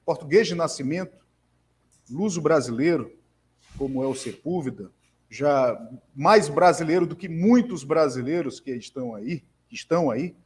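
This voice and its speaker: A Brazilian man speaking in a slightly raised register, earnest and emphatic about his convictions. He speaks haltingly, stumbling over repeated words and restarting his sentences as he thinks aloud in a relaxed conversation. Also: on the high side. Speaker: conversation partner, bookseller. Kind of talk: conversational discussion.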